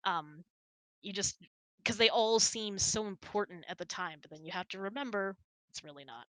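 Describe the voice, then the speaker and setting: A woman's voice: mid-range voice, expressive, normal speed, fairly bright tone, no room sound, low-quality recording. A woman hosting a casual hangout, telling stories and answering questions in a chatty, rambling, giggly way. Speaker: host of an online hangout.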